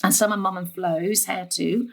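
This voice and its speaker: A woman's voice: on the low side, fairly even intonation, moderate pace, vocal fry, a bit bright, rough recording. A woman playing a long-suffering, middle-aged mother with a darkly wry, conversational manner in a dramatic thriller. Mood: brisk, menacing. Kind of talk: dramatic stage-thriller monologue and dialogue.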